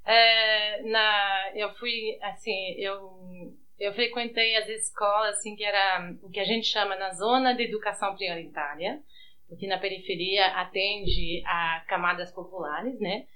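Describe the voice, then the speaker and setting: A woman's voice: medium pitch, fairly even intonation, unhurried, sharp tone, dull audio, a little hiss or hum. A woman from France with a Brazilian Portuguese accent, talking in an explanatory, informal way as an interview guest. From France, grew up on the outskirts of Paris. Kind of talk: informal interview, telling life story.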